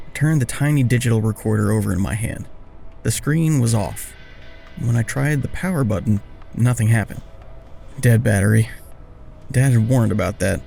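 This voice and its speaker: A man tells a scripted first-person story with a low, gravelly and soft-edged voice. His delivery is wry and confessional, like someone owning up to his own misadventure. Faint music sits behind him. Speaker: first-person narrator of an audio drama.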